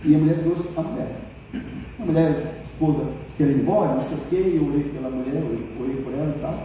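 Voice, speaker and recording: A man preaching a sermon as pastor in a church, telling stories in a colloquial, animated way and calling on the congregation for responses. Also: on the high side, quick pace. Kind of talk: sermon with storytelling. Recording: echoey church hall, mic far off, faint noise.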